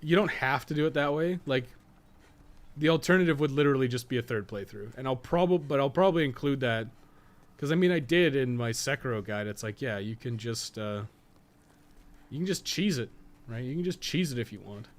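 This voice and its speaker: A man's voice: medium pitch, animated, fairly quick. Male game streamer, mid-range voice; casual, rambling, foul-mouthed and jokey guide talk. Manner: rambling, thinking aloud; profane, slangy, joking. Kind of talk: casual live-stream gaming commentary.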